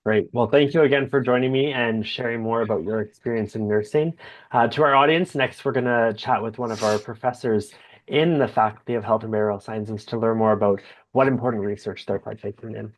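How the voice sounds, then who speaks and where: A man's voice: medium pitch, steady tone, fairly quick. A young man hosting a video call interview, asking friendly questions from a home office. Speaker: host. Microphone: video call webcam.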